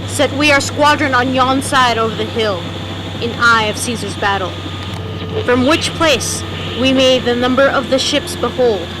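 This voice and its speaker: A woman playing a resolute battlefield general in a Shakespearean audio drama, brisk and commanding. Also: on the high side, natural voice. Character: resolute battlefield general planning troop positions. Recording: loud background noise.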